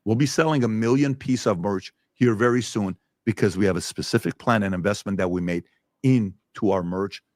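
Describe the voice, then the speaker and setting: A man's voice: normal speed, dry recording. Confident man in his forties, dry sound. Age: 40s. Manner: emphatic, confident pitch. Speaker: business owner presenting results. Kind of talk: motivational business presentation.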